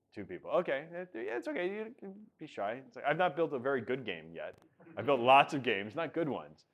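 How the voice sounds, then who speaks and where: In a New York accent, a man talks at a fairly quick pace in a fairly high voice with vocal fry, very wide pitch swings and big swings in loudness. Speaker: game developer. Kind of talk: conference talk. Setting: stage with audience.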